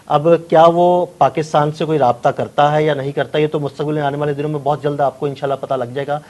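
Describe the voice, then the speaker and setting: A man hosting a news talk show, agreeable and steady as he puts questions and wraps up. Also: a little high. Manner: agreeable, keeps affirming the guest. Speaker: show host.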